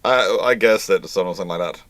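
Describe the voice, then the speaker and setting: A man's voice: low voice, fairly quick, a bit bright, dry recording. Man, live history Q&A host, rambling explainer, dry close sound. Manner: explanatory, many fillers and restarts. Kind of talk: live Q&A chat.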